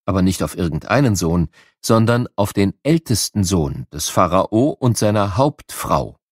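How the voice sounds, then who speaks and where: Low-voiced man narrating for children. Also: lively intonation, a little slow, no room sound, clean studio sound. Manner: clear storytelling, explanatory with rhetorical questions. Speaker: narrator of an educational children's audiobook.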